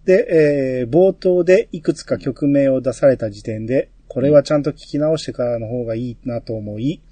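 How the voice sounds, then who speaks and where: A man hosts a chatty podcast and reads listener mail aloud. His voice is mellow and slightly husky. The room sound is dry and close. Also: medium pitch, normal speed, no echo. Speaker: podcast host. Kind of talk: casual chat, reading listener mail.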